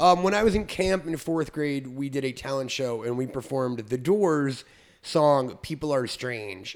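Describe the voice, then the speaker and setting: This man has a normal speaking voice and an American accent. It sits at a fairly high pitch with ordinary pitch variation and a moderate pace. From US Northeast, Long Island, New York. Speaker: podcast guest. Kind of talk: casual chat.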